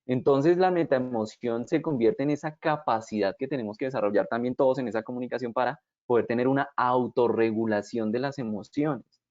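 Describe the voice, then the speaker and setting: A man's voice: mid-range voice, a little fast, darkish tone. A man giving a didactic lecture as a communication trainer, often checking in with his audience through rhetorical questions. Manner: explanatory, checks in with frequent rhetorical "¿sí?" and "¿cierto?". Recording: dull, dry lo-fi recording.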